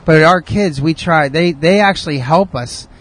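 A middle-aged man whose first language is Italian, telling his story earnestly with many pauses in a casual chat. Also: on the high side. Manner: earnest, halting storytelling with fillers. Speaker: guest, police officer and sauce maker.

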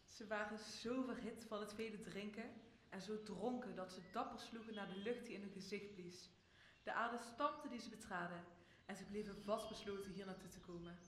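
A woman's voice: mid-range voice, moderate pace, a bit bright, close to an everyday voice. A woman acting a dutiful airy spirit reporting to a master in a Shakespeare radio play, in an echoing recording. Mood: dutiful, vivid. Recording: echoing, faintly noisy recording.

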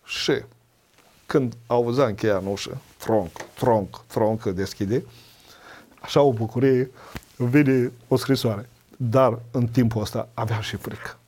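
A man's voice: medium pitch, fairly even intonation, darkish tone. A middle-aged man, a podcast guest, sharing a personal testimony in casual talk, earnest and emotional, acting out old conversations. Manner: earnest, emotional storyteller, acts out dialogue.

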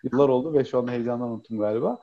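Guy rambling fast as a guest, lots of ums, kinda muffled lo-fi sound. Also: mid-range voice, creaky. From Turkey. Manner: rambling, hesitant, many fillers. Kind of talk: casual chat.

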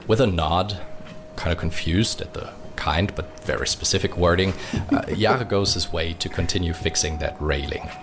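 A man's voice: deep voice, normal speed, background noise. A man casually improvising descriptive third-person narration of his character as a player in a roleplay podcast.

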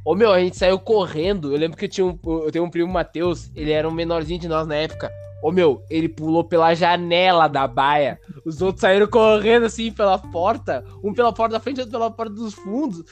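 A man, hosting a podcast and telling a story in a lively, slangy way. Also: high voice, brisk, few pauses, faint music behind. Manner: animated, slangy, acts out sounds and voices. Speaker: podcast host. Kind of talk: casual storytelling.

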